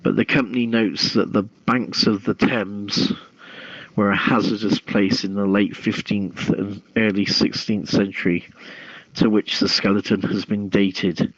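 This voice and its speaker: Slow-paced man hosting, dull lo-fi mic. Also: lowish voice, level tone, dry recording. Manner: halting delivery, stumbles and repeats words while reading. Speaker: host reading news stories to co-hosts. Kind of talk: reading a news article aloud, with casual chat. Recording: dull, lo-fi microphone sound.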